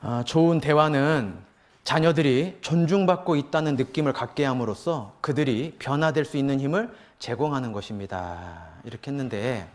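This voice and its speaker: A man's voice: mid-range voice, moderate pace. A man teaching a church parenting class, walking through the steps and acting out what a mother might say. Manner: explains steps, acts out a mother's lines. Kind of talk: Bible class lecture.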